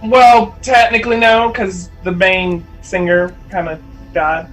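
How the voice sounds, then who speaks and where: A man's voice: sits high, flat delivery, measured pace, fairly bright tone, far from the mic, faint music behind, low-quality recording. A man co-hosting a podcast, chatting casually with laid-back reactions. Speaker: podcast co-host. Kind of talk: casual chat.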